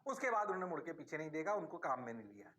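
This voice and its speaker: A male teacher giving a lecture, animated and playful, coaxing the class by asking the same question again and again. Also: on the high side, racing.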